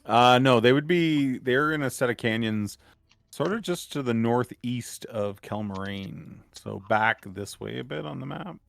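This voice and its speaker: A man acting as game master on a streamed tabletop game, explaining with many pauses and fillers. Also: medium pitch, vocal fry, dry recording. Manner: hesitant, filler-heavy explaining.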